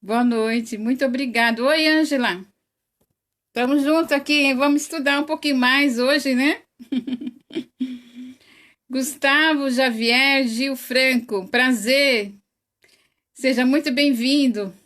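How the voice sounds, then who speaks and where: A Brazilian woman with a somewhat high voice hosts a live online study, taking her time as she greets each viewer by name. Her casual chat is broken by frequent little laughs, and her voice is loud by her own account. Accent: Brazilian Portuguese. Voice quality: says she has a very loud voice. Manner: greets viewers one by one by name, laughs often, slow and chatty. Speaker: host of an online spiritist study.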